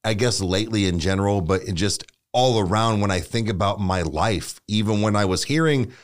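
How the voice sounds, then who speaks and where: A young man with a fairly low voice co-hosts a casual podcast. He talks haltingly and keeps searching for the right word, with an easy swear thrown in here and there. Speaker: podcast co-host.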